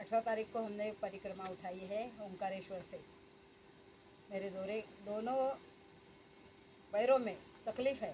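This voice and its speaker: Her tone is dark and mellow, and somewhat breathy. This woman keeps a medium pitch and fairly even intonation. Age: 60s. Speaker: pilgrim. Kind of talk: testimony.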